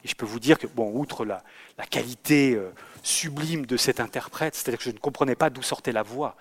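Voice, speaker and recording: A man's voice: medium pitch, brisk, breathy edge. A man, a theatre director, giving a lecture full of anecdotes. He acts out the scenes he describes, stumbling often over fillers and repeated words. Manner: lively storyteller who acts out scenes.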